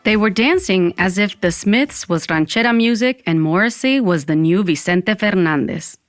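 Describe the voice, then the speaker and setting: A woman's voice: medium pitch, expressive, moderate pace, no room sound, faint music behind, natural voice. A woman playing a dramatic, dreamy young Latina who narrates her own story in an audio drama. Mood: wistful. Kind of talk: first-person scripted audio fiction narration.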